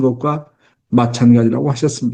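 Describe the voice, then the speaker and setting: The man's voice has a dark, mellow tone. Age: 60s. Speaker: religious lecturer. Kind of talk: religious lecture. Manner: formal.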